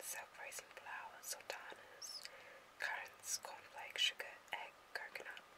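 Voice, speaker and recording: A woman whispers at a very slow pace. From Australia. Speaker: ASMR creator. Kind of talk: ASMR whispered ingredient reading. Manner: whispered.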